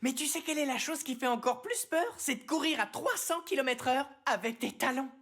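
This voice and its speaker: A woman's voice: high voice, fairly quick. A woman voicing a young teen boy superhero, eager and encouraging.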